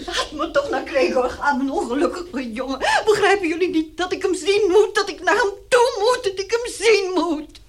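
A woman's voice: very high-pitched, lively intonation, normal speed, few pauses, crowd noise. An actress in a radio drama playing an anxious middle-aged mother who pleads tremulously, stammering and repeating herself. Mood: distraught, pleading. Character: anxious, pleading mother pining for her son. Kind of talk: Dutch radio drama acting. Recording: noisy old radio play recording.

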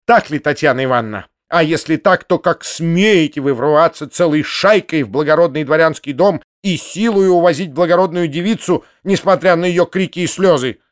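A man's voice: fairly high pitch, normal speed, few pauses, close to an everyday voice. A man reading an audiobook, voicing a furious middle-aged noblewoman who scolds and shrieks. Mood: raging. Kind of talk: audiobook character voice.

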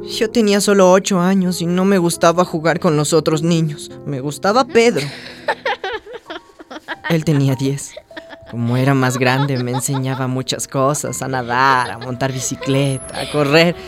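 A trans woman telling her story, wistful, bit low voice, music behind, radio drama. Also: a little slow. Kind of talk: radio drama first-person narration.

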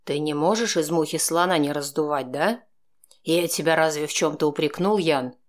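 A woman reader voicing a calm, blunt man who answers with curt irony, in her own low voice. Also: moderate pace, natural voice. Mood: sardonic. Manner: cool, ironic, curt. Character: composed, blunt, sarcastic man.

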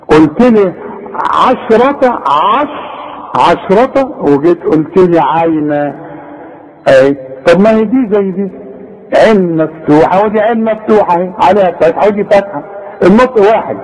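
A man with an Egyptian accent teaching Quran recitation, patiently correcting a student and demonstrating each sound slowly. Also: sits high, a little mellow. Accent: Egyptian Arabic. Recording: long reverb, echoey room.

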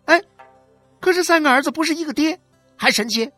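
A woman's voice: a bit bright, no echo, faint music behind. A woman voicing a furious, boastful wife who shrilly scolds the neighbours in a storybook. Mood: sneering. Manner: shrill, scolding, drawn-out emphasis.

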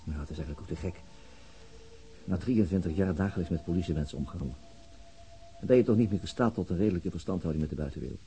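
Male actor as brooding veteran police detective, middle-aged, low voice, radio play naturalism. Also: fast, long pauses, mellow, faint music behind, natural voice. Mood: weary, brooding. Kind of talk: naturalistic Dutch radio drama acting.

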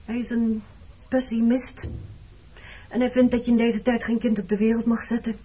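A married woman in a Dutch radio drama, wounded and reproachful. Her voice is husky and mellow, confiding and pointed in its questions. The recording is dull, like an old broadcast. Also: fairly high pitch, little pitch movement, normal speed. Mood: bitter, subdued. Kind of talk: Dutch radio play acting.

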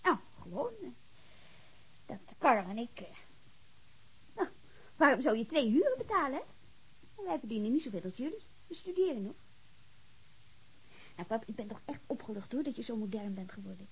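A high, lively young woman in a radio drama. She is a cheeky student daughter, teasing and playful, with a pitch that jumps about as she probes. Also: moderate pace, pauses often, husky, exaggerated voice, poor audio. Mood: breezy, candid. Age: young adult. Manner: playful, probing. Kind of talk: Dutch radio drama dialogue.

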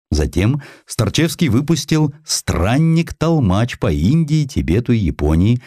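A man narrates a historical sketch in a very low voice. His delivery is theatrical and highly animated, swinging widely in pitch. The sound is dry and close, with hardly any room. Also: no room sound. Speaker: audiobook narrator. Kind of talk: expressive dramatized reading of historical sketch.

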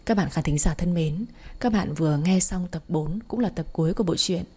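Husky low-voiced woman storyteller. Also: brisk. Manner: steady, moralizing narration. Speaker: storyteller and channel host. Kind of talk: storybook narration.

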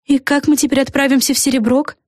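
A woman's voice: high voice, little pitch movement, fast talker, no echo, clean studio sound, voice pushed up, lightly acted. A woman voicing a blunt, tactless fairy with a snippy, matter-of-fact manner.

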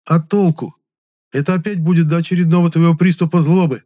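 A man voicing a sharp-tongued young male hero who talks bluntly and scolds. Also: medium pitch, a little fast, voice pushed up, close to an everyday voice. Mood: scolding.

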